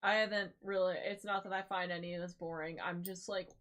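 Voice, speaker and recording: A woman's voice: on the low side, fairly even intonation, brisk, fairly bright tone. Sleepy, yawning woman co-host. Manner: sleepy, swears casually. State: tired, yawning. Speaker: stream co-host. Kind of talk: casual chat.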